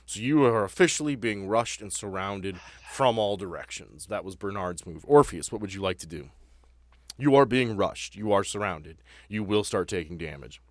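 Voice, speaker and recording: Man, low voice, dry sound, tabletop game master, descriptive, explanatory, conversational narration. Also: lively intonation, normal speed, no room sound.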